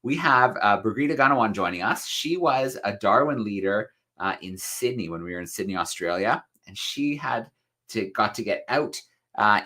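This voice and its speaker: A man's voice: lowish voice, pushed and bright. A man hosting a live online classroom event, introducing guests in an upbeat, friendly way. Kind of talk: live video call interview.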